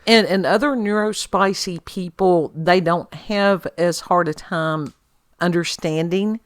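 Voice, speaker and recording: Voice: medium pitch, takes it slowly, no echo, clean studio sound. A podcast co-host chatting casually, rambling and changing direction mid-sentence. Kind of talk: casual conversational chat.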